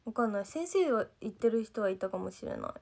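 A woman's voice: mid-range voice, expressive, a little fast, vocal fry, darkish tone. A young woman from Gifu, speaking mostly standard Japanese with a light Gifu dialect, chatting loosely with fans on a livestream and reading their comments, often losing her thread. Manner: chatty and rambling, loses her thread, fills with "nanka". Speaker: idol trainee livestreaming to fans. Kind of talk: casual livestream chat reading viewer comments.

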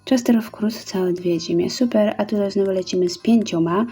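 Mellow-voiced woman chatting through a game. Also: mid-range voice, normal speed, soft background music. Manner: chatty, reads orders aloud and counts out steps. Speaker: gaming YouTuber. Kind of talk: casual let's-play commentary.

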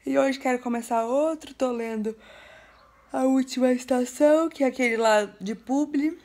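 A young woman from Brazil chatting casually in a reading vlog at home, emotional and quick to laugh. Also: high-pitched, steady tone, darkish tone. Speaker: book vlogger. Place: home, her bedroom.

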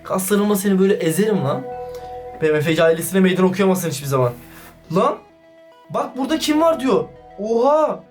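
Man, excitable vlog commentary, slangy, talks to viewers, set back from the mic, music underneath. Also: high-pitched, fairly quick. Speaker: YouTuber reacting to a chat. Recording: distant mic with background music.

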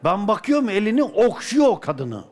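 A man from Turkey, a dervish, telling a personal anecdote in a colloquial, lively way with folk sayings. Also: high-pitched, normal speed. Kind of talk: casual spoken anecdote.

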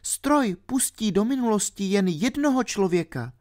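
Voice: mid-range voice, lively intonation, darkish tone, pitched above the performer's own voice, close to an everyday voice. A reader voicing a ten-year-old girl, bold and determined, speaking eagerly and insistently in a storybook reading.

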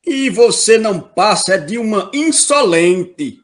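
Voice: mid-range voice, lively intonation, takes it slowly. An actor with a Brazilian accent playing a pompous, exasperated king in a comic audio drama. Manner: pompous, melodramatic. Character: pompous, exasperated king berating servant and prophetess.

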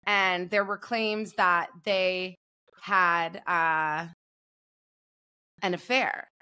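A woman's voice: fairly low pitch, steady tone, drawn-out words, bright, forceful tone, clear, resonant tone. A young woman as a podcast guest on a video call from home, chatty and gossipy about pop culture. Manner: chatty, gossipy, laughs easily. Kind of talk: casual pop culture chat. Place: home room. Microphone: video call with earbuds.

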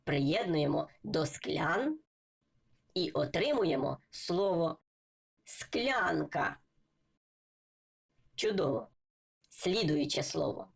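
A woman gives a reading lesson at a very slow, deliberate pace. She spells out each letter and syllable patiently. Her voice sits a little low and has a gravelly edge. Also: animated. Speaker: reading teacher.

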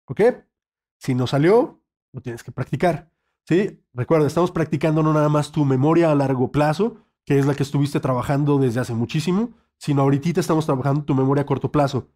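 Guy teaching sax online, voice a bit on the high side, keeps asking "ok?". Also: brisk, mellow. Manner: patient, checks in often with "¿ok?" and "¿sí?". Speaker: saxophone teacher. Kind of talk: online music lesson.

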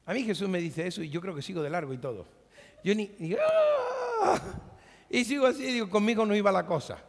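A male pastor preaching a sermon in a church, animated and dramatic, acting out scenes as he speaks. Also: sits high, quick pace, vocal fry. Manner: animated preaching, acts out biblical dialogue. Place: church hall. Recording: long reverb of a large hall.

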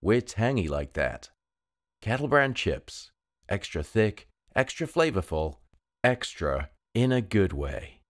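Low-pitched British man reading commercials. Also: big pitch swings, slow. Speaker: voice-over artist. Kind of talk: polished commercial voice-over.

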